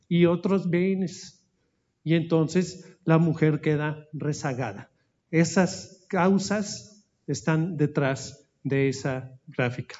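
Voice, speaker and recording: Slow, halting man with a Spanish accent. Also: sits high, dark tone. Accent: Spanish-speaking, mixing Spanish into Portuguese. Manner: halting, searching for words. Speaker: speaker at an anniversary event. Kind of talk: formal presentation with slides. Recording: dull lo-fi audio.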